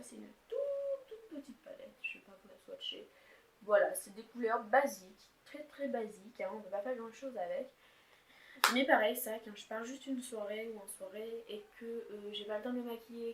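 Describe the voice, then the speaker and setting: A young woman showing and swatching her makeup palettes in a casual, rambling chat, full of fillers and restarts. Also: a little high. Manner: chatty, rambling, filler-heavy. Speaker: beauty vlogger. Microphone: camera's built-in mic. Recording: echoey room, faint noise.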